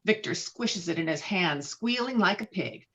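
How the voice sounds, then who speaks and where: A woman's voice: lowish voice, expressive, normal speed, a bit bright. A woman reading stage directions as the narrator of a dramatic script table read. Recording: dull, lo-fi call audio.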